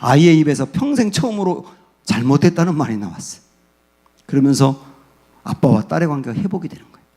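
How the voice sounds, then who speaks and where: Male pastor, slightly high voice, earnest sermon delivery, shifts from hushed storytelling to fervent preaching. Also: big pitch swings, brisk, long pauses. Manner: earnest preaching that rises to fervent peaks and drops to quiet storytelling. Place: church sanctuary.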